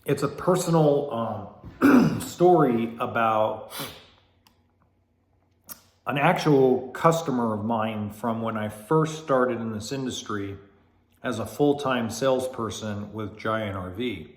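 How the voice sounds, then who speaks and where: A man's voice: medium pitch, slow pace, reverberant. A middle-aged man hosting a podcast, telling a story in a loose, rambling way, with a stuffy, congested voice from a cold. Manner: chatty, rambling, with fillers and restarts. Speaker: podcast host.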